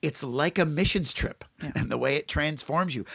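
The speaker shows vocal fry and ordinary pitch variation at a moderate pace, with a dry, close sound and no echo. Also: man. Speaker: church podcast host. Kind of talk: casual interview.

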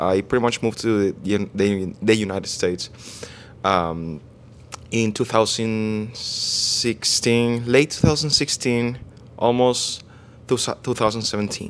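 With a Spanish accent, a man talks at a medium pitch and a fairly slow pace, using ordinary pitch variation. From Venezuela, Caracas. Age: 20s. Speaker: online fitness coach. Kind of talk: interview. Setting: recorded on camera in Vegas.

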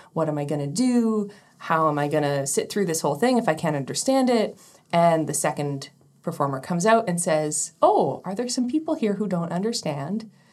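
A woman's fairly low voice at a moderate pace, lively in intonation, a plain, everyday voice. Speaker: podcast host. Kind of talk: casual chat.

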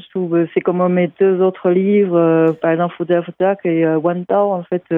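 A woman speaks in a flat, monotone intonation. Her pace is fairly slow. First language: Taiwanese Hokkien / Mandarin (speaking French). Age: 40s. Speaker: comic book author and illustrator. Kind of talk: interview. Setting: remote. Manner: halting.

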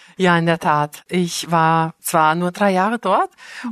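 In a dry, close sound with no echo, a woman with a plain, everyday voice speaks at medium pitch with ordinary pitch variation. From South America. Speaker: mission organisation worker. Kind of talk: interview.

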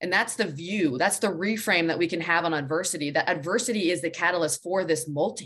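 An unremarkable speaking voice from a woman, fairly low in pitch, fairly quick, with ordinary pitch variation and hardly any pauses. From US, Maryland. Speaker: former pro soccer player and keynote speaker. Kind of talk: interview.

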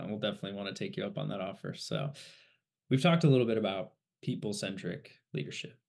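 A very fast man at a medium pitch, with vocal fry and very wide pitch swings, over a quiet background. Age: 30s. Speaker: podcast host. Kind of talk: casual interview chat; scripted intro narration.

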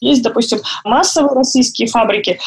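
Her voice high, a woman speaks fairly quickly with lively intonation. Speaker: interior designer. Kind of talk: interview.

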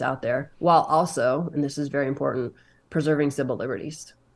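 Against a quiet background, a woman with a very deep, low voice and an American accent talks at a fairly quick pace. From Montana. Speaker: retired FBI senior official. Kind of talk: interview.

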